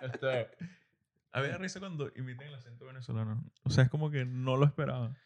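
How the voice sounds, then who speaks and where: A man's voice: mid-range voice, fast, a little mellow. A man who is a comedian guest in a casual chat, giving short agreeing replies and slipping into English phrases.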